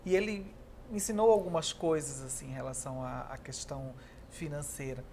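A woman in her thirties with a Brazilian Portuguese accent hosts a talk show interview in a chatty, agreeable way, on an indoor studio set decorated in pink. Her deep, mellow voice moves a little fast, and there's a slight hiss or hum.

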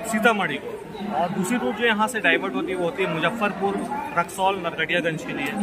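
A young man chatting casually to viewers from a train and a station platform, explaining routes and timings, recorded on a phone held at arm's length. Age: young adult. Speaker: train travel vlogger. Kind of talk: casual travel vlog commentary. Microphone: phone camera at arm's length. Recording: loud train rumble and platform crowd.

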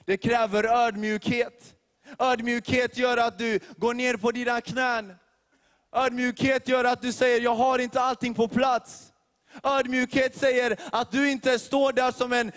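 A man preaching a sermon to a gathering, his voice pitched high but held in a narrow, level band. He drives his points home with emphatic repetition and rhetorical questions. Long reverb from a large church hall hangs behind every phrase. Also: fairly bright tone. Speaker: youth leader preaching.

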